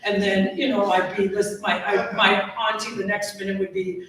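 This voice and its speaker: A woman poet on a panel, talking in a lively way and often adding "right?". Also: normal speed. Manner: lively, tag questions with "right?". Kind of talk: live panel discussion. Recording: echoey hall, distant mic, faint rumble.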